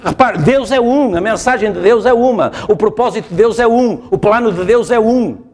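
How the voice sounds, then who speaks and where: A high-pitched, slightly mellow male voice carries this sermon, delivered at a moderate pace. The pastor, who has a European Portuguese accent, preaches emphatically in a church. He repeats his phrases and keeps asking the congregation "está a ver?".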